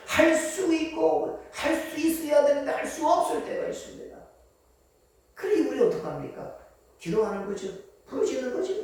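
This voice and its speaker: A man in the pulpit delivers a Sunday sermon in a high register, driving his points home with emphatic rhetorical questions. His voice is caught from a distance and rings through a heavily reverberant church hall. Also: a little mellow. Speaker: pastor. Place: church sanctuary. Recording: very echoey church hall, from far off.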